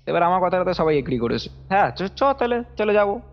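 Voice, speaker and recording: A man's voice: sits high, quick pace. A young man tells his own experience casually on a call, rambling and repeating himself as he goes. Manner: animated, repetitive, rambling retelling with acted-out quotes. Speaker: caller recounting a personal experience. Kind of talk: casual spoken storytelling. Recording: dull lo-fi call recording over music.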